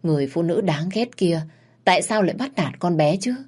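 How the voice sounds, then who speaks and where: A woman narrating a family drama in a gentle, sympathetic storytelling manner. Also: lowish voice, animated, brisk, husky. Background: faint music.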